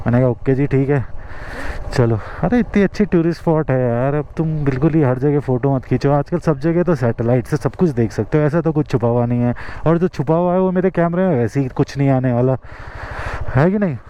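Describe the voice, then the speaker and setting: A man's voice: on the high side, a little fast, mellow, highs cut off, a little hiss or hum. Indian man, travel vlogger, casual outdoor chat into a camera mic, faint ambience behind. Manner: chatty, mixes Hindi with English phrases. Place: outdoors in a mountain valley. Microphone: camera's built-in mic after the mic battery died.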